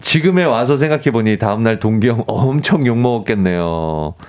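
A man's voice: mid-range voice, expressive, fairly quick, a little mellow. A man co-hosting a casual radio chat, reading listener stories aloud, laughing often and acting out quoted lines.

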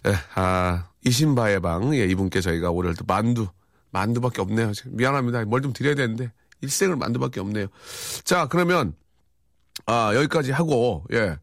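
Lively chatty male radio host. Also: medium pitch, moderate pace, no room sound, studio quality. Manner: lively, chatty, reads messages aloud with wry reactions. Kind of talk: casual on-air chat reading listener messages.

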